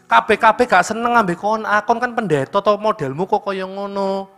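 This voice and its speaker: A male pastor with an East Javanese accent voicing God in a sermon story, calm and explaining. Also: high-pitched, normal speed.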